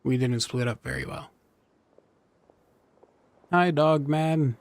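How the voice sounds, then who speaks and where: A man's voice: medium pitch, takes it slowly, creaky, no echo. A man giving casual, playful and irreverent commentary as he plays a video game. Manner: irreverent, crude humour, playful. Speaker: gamer, streamer. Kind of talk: casual joking game commentary, reading some dialogue aloud. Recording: game music behind the voice. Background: video game music.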